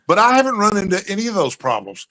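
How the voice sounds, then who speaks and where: A man's voice: high-pitched, big pitch swings, fast talker, sharp tone, rough recording. A man from East Texas with a thick East Texas drawl, a boastful, joking guest in a casual chat on a video call.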